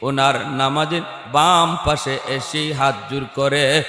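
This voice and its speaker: A man's voice: steady tone, slow pace, sharp tone. Chanting preacher man, echoey hall. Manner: melodic, sing-song, swells into high chant. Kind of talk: chanted sermon storytelling. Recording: echoey hall with faint music.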